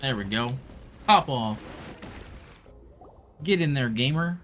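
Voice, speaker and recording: A young man doing casual live gameplay commentary as a streamer, slangy and expressive. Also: medium pitch, slow pace. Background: game music.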